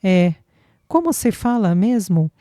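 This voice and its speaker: A woman's voice: medium pitch, very animated, slow, mellow, no room sound, clean studio sound. A woman voicing a stern old Italian father. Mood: blunt. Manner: blunt, sprinkles Italian words. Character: older Italian immigrant father, stern but repentant.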